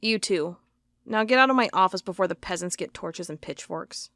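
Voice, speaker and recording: A woman's voice: lowish voice, normal speed, fairly bright tone, a little hiss or hum. A woman playing a stubborn, sarcastic investigator of cold cases in an audio drama, with a wry, defiant manner. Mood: earnest, wry. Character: stubborn, sarcastic female cold-case investigator hunting monsters.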